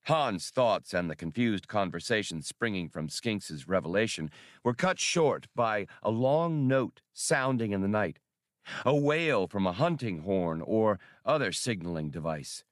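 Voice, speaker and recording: A man reading scripted adventure fiction as an audiobook narrator, in a measured, dramatic storytelling manner. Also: fairly low pitch, lively intonation, dry recording, studio quality.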